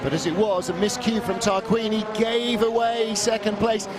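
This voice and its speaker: A man's voice: high-pitched, steady tone, normal speed, music in the background, crowd noise. A man giving live motorsport commentary as a race commentator, describing the action emphatically with repeated phrases. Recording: loud car and engine noise behind.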